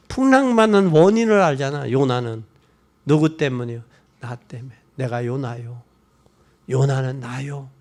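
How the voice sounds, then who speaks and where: A male pastor preaching a sermon, swinging from loud exclamations to hushed whispers and asking the congregation rhetorical questions. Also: on the high side. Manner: casual spoken style mixing polite and plain speech.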